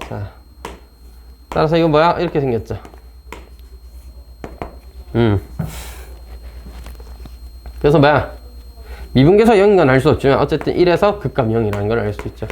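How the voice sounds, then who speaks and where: A man's voice: fairly high pitch, lively intonation, normal speed, long pauses, darkish tone, a little hiss or hum. A man teaching math in an informal lecture, blunt and chatty, talking himself through problems. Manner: casual and blunt, talks to himself and teases the textbook.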